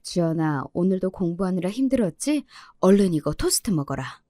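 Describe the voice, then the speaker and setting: A woman voicing a patient middle-aged mother who talks softly and coaxingly. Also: fairly low pitch, sing-song, brisk, no echo, clean studio sound. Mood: coaxing gentle. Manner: soft, coaxing, caring.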